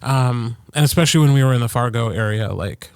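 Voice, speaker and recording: A man's voice: medium pitch, fairly quick, dry recording, studio quality. A man from Wisconsin with an American accent, co-hosting a podcast and telling personal stories informally with wry understatement. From Wisconsin, United States. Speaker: podcast co-host. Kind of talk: casual chat, personal storytelling.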